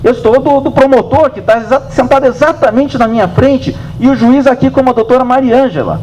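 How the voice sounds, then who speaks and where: Fairly quick, fairly evenly intoned speech over noticeable background noise. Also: man, extremely high pitch for a man. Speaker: lawyer / legal speaker on a panel. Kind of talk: lecture. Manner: fast; halting.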